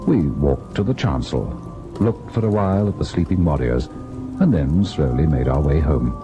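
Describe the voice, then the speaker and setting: An actor playing an educated, earnest husband who narrates a ghost tale in old-time radio style, expressive and at times hesitant. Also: male voice, a bass voice, moderate pace, dull audio, over loud music. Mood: brooding, reflective. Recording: noisy vintage radio recording.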